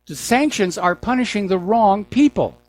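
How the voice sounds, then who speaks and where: Older man, American accent, slightly high pitch, talk radio host, opinionated news monologue, deliberate pauses. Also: animated, a little mellow. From United States.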